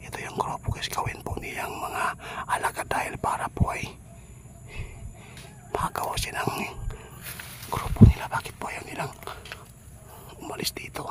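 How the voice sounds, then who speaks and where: A man giving whispered gameplay commentary, hushed most of the time and breaking into loud, excited shouts. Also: moderate pace, pauses often. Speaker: gamer.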